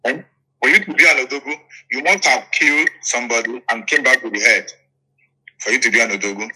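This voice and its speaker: A Nigerian-accented politician gives his account in an interview, speaking fast in a mid-range voice that is pushed and bright. Emphatic, he repeats phrases and checks his listener is with him, and the recording is low-quality.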